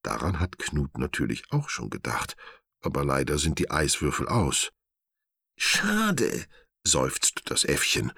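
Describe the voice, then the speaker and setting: A man narrating a children's storybook in an animated, expressive way. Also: a bass voice, normal speed, vocal fry, slightly rough, no room sound.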